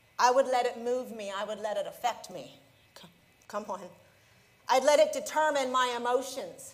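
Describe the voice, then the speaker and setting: With audible room echo, a woman speaks in a high, animated voice with ordinary pitch variation. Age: 40s. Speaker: pastor. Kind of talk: sermon.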